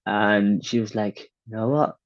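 A man's voice: on the low side, fairly even intonation, unhurried, dry recording. Opinionated young man, dull dry sound. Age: 20s. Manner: opinionated, acts out quotes, stammers on restarts. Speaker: conversation partner. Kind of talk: casual chat.

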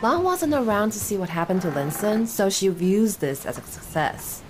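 A woman's voice: mid-range voice, very animated, moderate pace, noisy background. A woman playing a tabletop role-playing game, improvising casually for her character in a breezy, conversational way.

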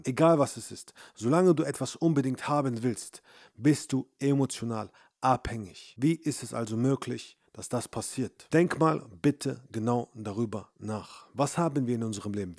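A man's voice: mid-range voice, darkish tone, no room sound, studio quality. A young man giving a blunt, intense motivational monologue as a self-help coach, firing rhetorical questions and swearing.

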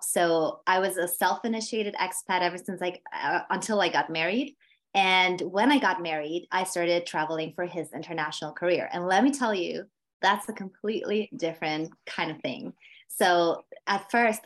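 Austrian woman telling her story, slightly low voice. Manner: warm, reflective storytelling with fillers. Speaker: podcast guest, coach. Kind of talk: podcast interview.

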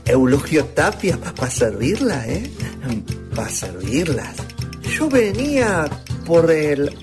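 A woman playing a shy, courteous young man with a husky voice and a Chilean accent in a radio play, speaking politely and haltingly. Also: low-pitched, sing-song, music in the background, exaggerated voice. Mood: shy, flustered. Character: shy, courteous young male visitor from town.

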